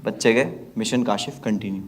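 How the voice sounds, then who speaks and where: A man's voice: on the low side, fairly even intonation, fairly quick. A young man performing stand-up comedy on stage, telling a story and acting out the voices of his friends, with audience laughter behind him. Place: stage before a live audience. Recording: live show with crowd noise.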